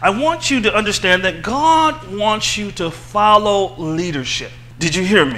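A man projects a raised voice with very wide pitch swings. He keeps a moderate pace. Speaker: pastor. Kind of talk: sermon. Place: church. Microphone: handheld.

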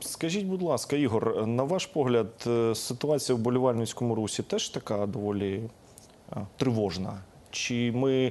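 Speaking with a Ukrainian accent, a man goes at a fairly slow pace with long, frequent pauses. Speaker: TV host. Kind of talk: TV presenting. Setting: TV studio. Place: studio. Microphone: lapel.

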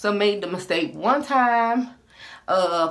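Against a quiet background, a woman speaks in a fairly high voice with very wide pitch swings. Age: 30s. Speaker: beauty and hair care YouTuber. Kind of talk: casual tutorial. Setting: home. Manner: chatty, filler-heavy. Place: home room. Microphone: phone near.

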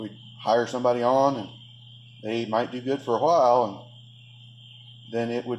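A man is talking. His intonation is monotone and flat. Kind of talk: casual vlog chat. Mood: relaxed, matter-of-fact. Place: garage.

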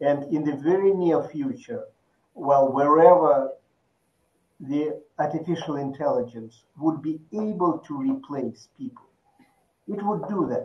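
A man's fairly high voice with a Russian accent, at a fairly slow pace with long, frequent pauses and audible room echo. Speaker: professor. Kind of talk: panel discussion. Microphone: video call.

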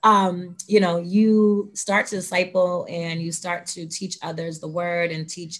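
Against a quiet background, a woman with a fairly low pitch speaks somewhat breathily at a fairly slow pace in a monotone, flat intonation. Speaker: guest. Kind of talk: discussion answer. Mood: warm, earnest. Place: home room.

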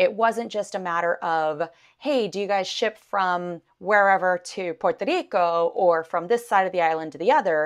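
Ordinary pitch variation comes with a moderate pace. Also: woman, quiet background. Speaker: vlogger on island living. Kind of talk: casual vlog chat. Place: home room. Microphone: lapel.

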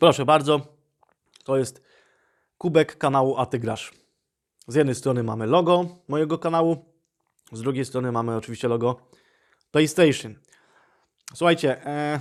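On a very clean recording with a silent background, a man with a fairly high pitch and ordinary pitch variation speaks at a moderate pace, taking long, frequent pauses. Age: 30s. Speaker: gaming YouTuber. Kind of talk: casual vlog monologue. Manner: halting, repetitive.

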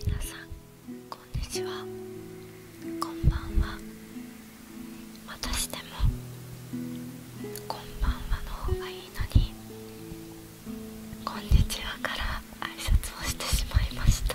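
With loud music in the background and a dry sound with no echo, a woman speaks at a fairly slow pace with long, frequent pauses. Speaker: ASMR hobbyist. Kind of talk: casual ASMR chat. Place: home room. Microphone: handheld.

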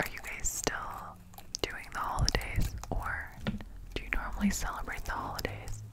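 Whispering over loud background noise, a soft-spoken woman talks at a moderate pace. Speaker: ASMR creator. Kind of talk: soft-spoken ASMR chat. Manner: soft close-mic whisper. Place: home room. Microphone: studio mic.

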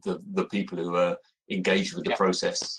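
The speaker is a man. He talks with a southern English accent. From southern England. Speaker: active travel campaigner. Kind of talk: webinar presentation. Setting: video call. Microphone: video call.

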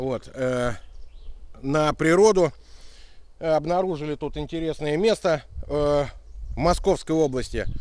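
Speaking at a very slow pace with long, frequent pauses, a man with a fairly high pitch and ordinary pitch variation sounds dry, with no echo. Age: 50s. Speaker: video blogger, urban explorer. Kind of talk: casual vlog talk to camera. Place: open country. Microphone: phone near.

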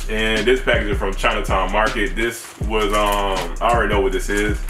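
A man talking at a fairly quick pace with hardly any pauses, clear music in the background. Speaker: clothing haul vlogger. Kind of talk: casual vlog chat. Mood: upbeat, relaxed. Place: home room.

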